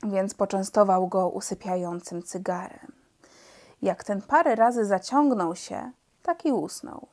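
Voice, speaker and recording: Woman narrator, children's audiobook, expressive, lively, middle pitch. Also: unhurried. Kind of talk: reading a children's novel aloud.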